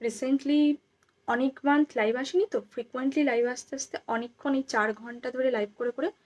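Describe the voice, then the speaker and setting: A woman, hoarse and speaking softly, chatting casually on a live stream as she shows jewellery and repeats prices. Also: high voice, steady tone, normal speed, poor audio.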